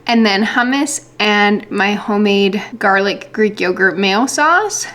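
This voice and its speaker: A woman's voice: mid-range voice, slow, a bit bright. A woman chatting casually to the camera as a vlogger, indoors at home. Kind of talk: casual vlog chat. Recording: light ambient background noise.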